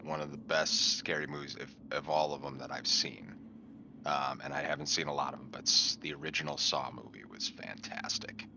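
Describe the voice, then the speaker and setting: A man's voice: rumbling low, fairly even intonation, fairly quick, bright, forceful tone. A man chatting conversationally as a player on a casual gaming podcast. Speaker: tabletop game player. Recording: dull lo-fi audio, clear noise.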